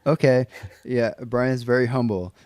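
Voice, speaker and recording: A man's voice: medium pitch, steady tone, a little slow, a little mellow, no room sound. An American man hosts a casual podcast interview, restating his guest's points and working in plenty of "um"s. The sound is dry and close, with no room around it. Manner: friendly, recaps answers, many fillers. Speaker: podcast host.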